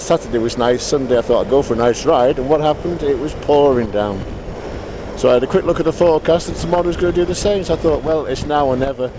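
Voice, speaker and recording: Casting note: croaky-voiced man vlogging from a motorbike, rambling and joking at himself, wind noise. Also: on the high side. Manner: self-deprecating, chatty, laughs often. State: hoarse from a cold. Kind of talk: rambling casual vlog. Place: outdoors on a motorbike.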